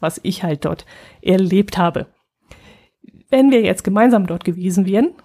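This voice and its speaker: A woman hosting her own podcast, talking casually and at ease, with fillers and small laughs. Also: mid-range voice. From Allgäu, Germany. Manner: chatty and relaxed, with frequent fillers and small laughs. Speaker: podcast host. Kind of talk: casual solo podcast chat.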